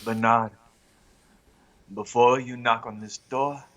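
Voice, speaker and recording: A man's voice: mid-range voice, fairly even intonation, slow, fairly bright tone, a little hiss or hum. A man talking casually as a player in a tabletop game. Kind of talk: casual chat.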